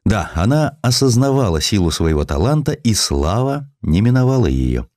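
Male narrator for historical audiobook: low voice, animated intonation, dramatic literary delivery, dry studio sound. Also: normal speed, no echo. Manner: literary, expressive storytelling.

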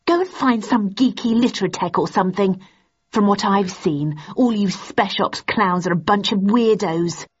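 A woman's voice: medium pitch, moderate pace, slightly rough, voice pushed up, lightly acted. A woman reading an audiobook, voicing a smug, mocking young woman who talks down to her rival. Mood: threatening. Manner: disdainful, sneering. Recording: dull lo-fi recording.

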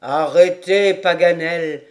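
A woman voicing a good-humoured male nobleman speaking in an amused, gently laughing tone in an audiobook. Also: lowish voice, takes it slowly.

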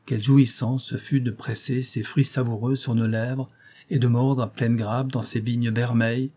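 A man's voice: medium pitch, little pitch movement, moderate pace, dark tone. A man narrating a classic adventure novel as an audiobook, reading expressively and lifting his voice for quoted dialogue.

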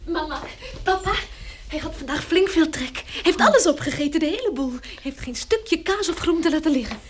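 An actress playing a caring, earnest young daughter in a radio play, gentle and pleading in manner. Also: female voice, extremely high pitch, lively intonation, moderate pace, background noise. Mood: concerned, eager.

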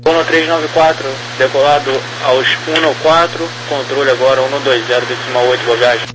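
A man with a Brazilian accent giving runway clearances as a tower controller over a crackly radio transmission. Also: medium pitch, little pitch movement, a little fast. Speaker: tower air traffic controller. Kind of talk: air traffic control radio phraseology. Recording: noisy radio with engine-like ambience.

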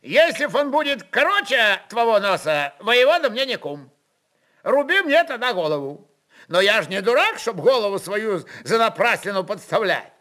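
A man voicing a big, brash Cossack who boasts and taunts loudly in a dramatic literary performance. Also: sits high, sing-song, moderate pace, voice pushed up, heavily acted. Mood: mocking bravado. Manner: loud, taunting, bragging. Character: big bare-chested brash boastful Cossack heckler on a barrel. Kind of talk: dramatic audiobook-style character reading.

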